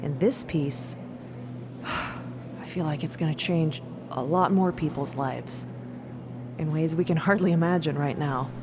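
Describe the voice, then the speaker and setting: A woman plays an earnest male scientist in a fiction podcast. The voice sits a little low and sounds reflective and heartfelt, with clear ambient noise underneath. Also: a little slow, long pauses. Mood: moved, reflective. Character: earnest, wistful male scientist moved by exploration.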